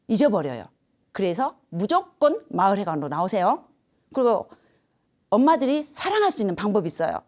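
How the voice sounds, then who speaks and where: A woman giving a lively motivational lecture to seniors, telling a personal story and acting out the dialogue with big swings in volume. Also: on the low side. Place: lecture hall.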